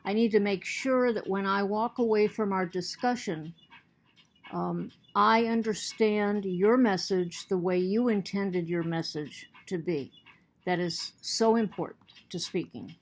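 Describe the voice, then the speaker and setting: A woman's voice: mid-range voice, a little slow. A woman teacher giving a recorded lecture to her students, earnest, often repeating and restarting words, and she has the hiccups.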